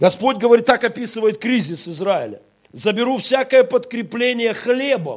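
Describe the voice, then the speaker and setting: In an animated tone, a man with an extremely high pitch talks at a moderate pace with ordinary pitch variation. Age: 40s. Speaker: pastor. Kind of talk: sermon.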